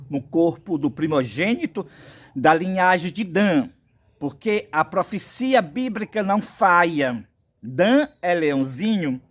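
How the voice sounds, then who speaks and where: A man from Brazil preaching a prophetic sermon, insistent and packed with biblical references. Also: on the high side.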